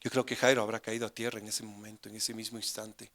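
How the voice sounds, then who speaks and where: A middle-aged male pastor preaching a sermon, acting out urgent pleas with rising intensity and then dropping to hushed, grave tones. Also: on the low side, little pitch movement, fast talker.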